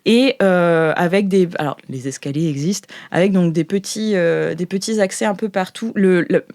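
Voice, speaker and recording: A woman's voice: on the low side, moderate pace, a little mellow. A woman game master improvising narration for a sci-fi audio role-playing game in an informal, playful, slangy way.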